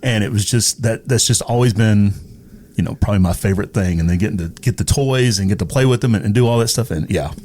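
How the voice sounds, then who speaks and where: A middle-aged man from East Texas with a fairly low voice speaks as a guest in a casual interview. He is a little hesitant, often repeating words as he puts his answer together. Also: fast, darkish tone, a little hiss or hum. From East Texas, United States. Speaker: interview guest, radio personality. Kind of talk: casual chat.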